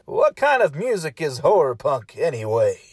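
A cranky, goofy horror-show host, high and very swoopy in pitch, with a rough rasp. He boasts and teases theatrically, missing the point in comic banter. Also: very animated, normal speed, no echo, studio quality. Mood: clueless, boastful. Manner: theatrical, teasing, clueless wisecracking. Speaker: podcast host character.

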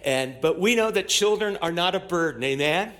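Leading a church service, this pastor preaches and prays aloud before the congregation from the platform, his repetitive, declamatory delivery punctuated with amens. He has a high, expressive, slightly bright voice at normal speed.

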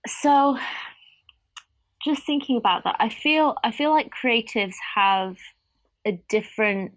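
A woman's voice: fairly high pitch, animated, takes it slowly, rough recording. A woman who grew up in Thailand, talking at length as a guest artist in a casual video-call interview. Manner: rambling, self-described waffler.

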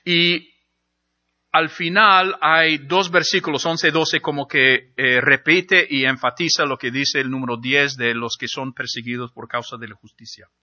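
A man's voice: medium pitch, fairly even intonation, a little slow, sharp tone, dull audio. A man preaching a sermon in an earnest, explanatory way, posing questions to the congregation. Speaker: pastor.

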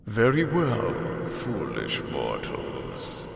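A theatrical ghost host in an audio drama, gravelly and low, drawing out every word at a crawl with a wildly rising and falling tone. He stays gloating and mock-courteous while his voice booms through a cavernous hall over a bed of steady background ambience. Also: exaggerated voice. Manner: slow, gloating and mock-courteous, with eerie laughs. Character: sinister, theatrical ghost host of a haunted mansion. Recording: cavernous reverb with ambient noise.

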